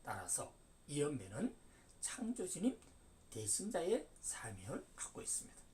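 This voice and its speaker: A man's voice: on the high side, wildly swooping pitch, moderate pace, darkish tone, a little hiss or hum. A man in his seventies giving an emphatic religious lecture, declaiming with sudden rises and falls. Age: 70s. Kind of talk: preaching lecture. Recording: distant mic.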